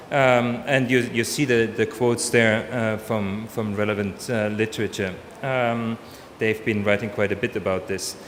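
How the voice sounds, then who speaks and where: A man's voice: medium pitch, a little hiss or hum. A man in his forties with a German accent, presenting hesitantly at a conference podium with many ums and restarts. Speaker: conference panel speaker. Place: large conference hall, standing at a podium. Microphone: podium microphone. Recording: long hall reverb, faint ambience.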